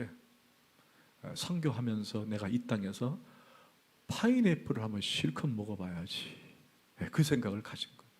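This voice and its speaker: A middle-aged male pastor preaching a sermon, telling an animated story and acting out the quoted dialogue. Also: medium pitch, vocal fry, slightly rough.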